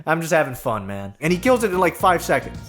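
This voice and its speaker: A man's voice: on the high side, big pitch swings, quick pace, fairly bright tone, soft background music. A man hosting a comedic, profanity-laced movie recap in a casual, jokey way. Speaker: host.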